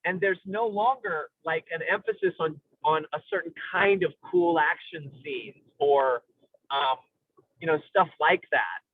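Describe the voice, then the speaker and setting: A man in an analytical, conversational film discussion, speaking in an intellectual, halting way with academic vocabulary as he searches for words. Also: on the high side, no echo. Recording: tinny phone-like radio-style sound.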